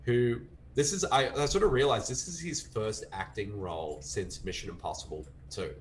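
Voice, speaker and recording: A man's voice: lowish voice, moderate pace, a little hiss or hum. An Australian man chatting casually as a film reviewer, enthusiastic and rambling, with lots of filler words.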